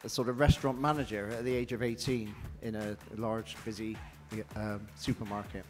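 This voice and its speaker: A middle-aged man with an English West Country accent gives an informal, halting acceptance speech, often repeating words. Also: on the low side, flat delivery. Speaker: award winner. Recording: echoey hall, faint music.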